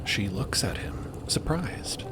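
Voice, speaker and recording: A man's voice: fairly low pitch, very animated, slow, whispered, over music. A man narrating an audio drama in a dramatic scripted storytelling style.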